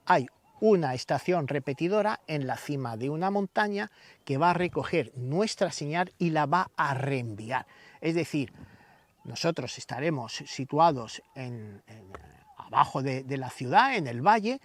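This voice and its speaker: A man's voice: on the high side, no echo. A man from Spain with a Castilian or peninsular Spanish accent, hosting an informal explainer in a didactic way with everyday examples. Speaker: video channel host.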